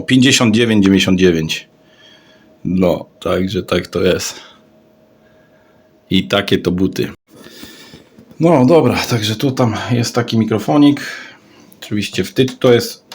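A man's voice: fairly low pitch, vocal fry. A man giving a casual, off-the-cuff product showcase in a rambling way, often repeating his words and phrases. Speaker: radio hobbyist vlogger.

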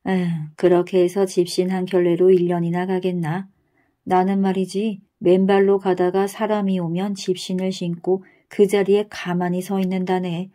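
A woman's voice: fairly low pitch, flat delivery, moderate pace, dark tone, lightly acted. A woman voicing a scoffing, stingy male miser from a folktale who tries to outdo his rivals.

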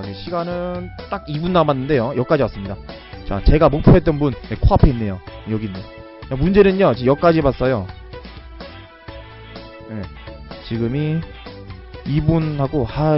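Excitable male game streamer, lively swinging delivery, slightly dull lo-fi sound with faint music behind. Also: mid-range voice. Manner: excitable, with sudden loud shouts. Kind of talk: casual gameplay commentary.

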